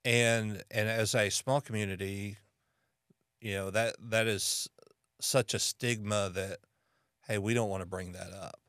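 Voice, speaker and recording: An American man from Arkansas in casual conversation as an interviewer, speaking thoughtfully and haltingly with pauses mid-sentence. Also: fairly low pitch, fairly even intonation, a bit bright, no echo, clean studio sound. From Arkansas, United States.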